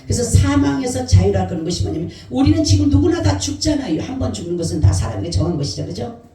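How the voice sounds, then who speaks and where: A pastor preaching an Easter sermon in a church, lively and questioning the congregation. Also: medium pitch, quick pace, soft background music. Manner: animated, asks the congregation questions. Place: church sanctuary. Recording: very echoey church hall, mic far off.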